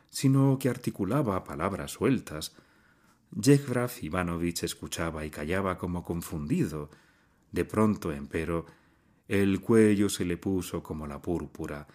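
A man with a lowish voice reads a classic tale aloud. His delivery is measured and somber, giving weight to each quiet sentence. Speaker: narrator. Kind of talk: literary audiobook reading.

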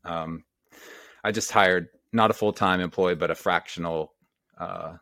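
A man with a notably deep voice hosts a podcast interview. He sounds upbeat and eager. The sound is dry and close, with no room echo. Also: fairly even intonation, unhurried, sharp tone. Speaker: podcast host.

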